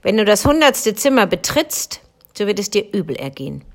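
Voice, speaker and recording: A menacing woman in black from a storybook gives orders and threats in a cold, commanding tone, voiced by a woman reading aloud. She sounds stern and unyielding, with no warmth in her voice. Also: mid-range voice, very animated, moderate pace.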